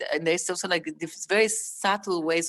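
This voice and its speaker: In a Spanish accent, a woman talks at a very fast pace. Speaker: theatre artist. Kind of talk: panel discussion. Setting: live-streamed panel. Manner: halting, many fillers.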